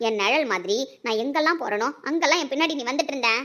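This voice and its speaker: A woman's voice: high voice, animated, racing, a bit bright. A woman playing a stubborn young wife in an amateur audio drama, with defiant, taunting retorts.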